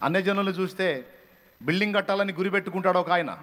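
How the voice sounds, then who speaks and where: A man's voice: high-pitched, fast, a bit bright. A man preaching a fiery Telugu sermon as a pastor, scolding his listeners with repeated emphatic phrases. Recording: long hall reverb.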